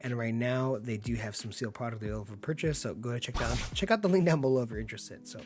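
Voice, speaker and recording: Hoarse man calling a card game match. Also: medium pitch, racing, over music. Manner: upbeat, laid-back, laughs often. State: hoarse from being sick. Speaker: card game commentator and channel host. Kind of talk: casual play-by-play commentary.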